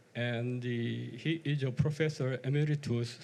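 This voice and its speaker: With audible room echo, a man talks at a medium pitch with fairly even intonation. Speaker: session chair, professor. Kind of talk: conference moderating.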